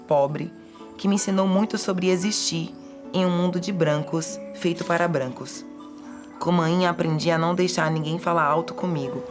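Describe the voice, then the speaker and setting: A woman from Salvador, a writer and teacher, telling her story in a reflective, poetic, measured way. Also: on the low side. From Salvador, Bahia, Brazil. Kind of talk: personal reflective narration. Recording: voice over clear music.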